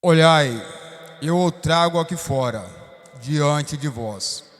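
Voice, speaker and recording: A man's voice: a little high, takes it slowly. A Brazilian man reading the part of Pilate, a stern, questioning governor, in a liturgical Passion reading. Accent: Brazilian Portuguese. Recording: long church reverb.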